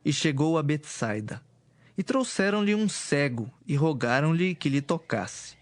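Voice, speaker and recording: A man narrating scripture from a script in a measured, solemn manner. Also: fairly high pitch, expressive. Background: music.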